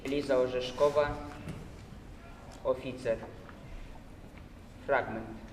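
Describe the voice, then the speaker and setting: A young man giving a measured, theatrical prose recitation at a contest. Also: medium pitch, fairly even intonation, a little mellow, slight background noise. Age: young adult. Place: large hall, stage. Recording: echoey hall from far off.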